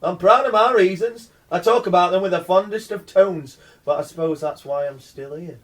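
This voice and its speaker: A man's voice: sits high, normal speed, a bit bright, distant mic. A man playing a smug, foul-mouthed, sarcastic dead man in a radio play.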